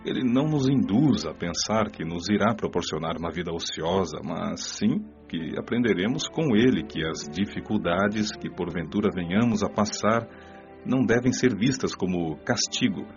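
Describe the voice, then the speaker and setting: A Brazilian man playing a gentle, wise spirit mentor in an audiobook radio play, giving solemn, didactic counsel with measured dramatic pauses. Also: lowish voice, expressive. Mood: earnest, consoling. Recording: dull lo-fi audio with music behind. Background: music.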